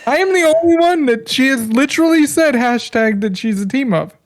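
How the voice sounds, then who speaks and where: A woman's voice: high voice, lively intonation, fairly quick. A woman hosting a podcast stream, teasing her co-host in dry, mock-serious comedic banter.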